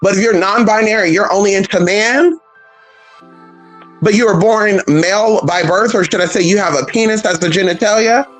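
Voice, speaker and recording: A trans woman vlogging a blunt, profane, sassy rant in an emphatic, animated way. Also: mid-range voice, moderate pace, faint music behind, low-quality recording. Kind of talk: casual vlog rant.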